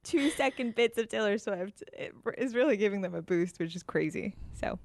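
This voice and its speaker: A woman's voice: medium pitch, animated, normal speed, creaky, darkish tone, no room sound. A woman co-hosting a casual business podcast, chatty and amused. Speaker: podcast co-host. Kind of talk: casual chat.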